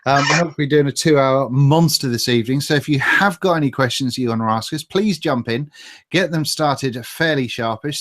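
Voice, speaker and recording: A man's voice: medium pitch, fairly bright tone. A man with a British accent hosting a livestream in a chatty, casual, sweary way. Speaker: livestream host. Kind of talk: casual chat, reading viewer comments.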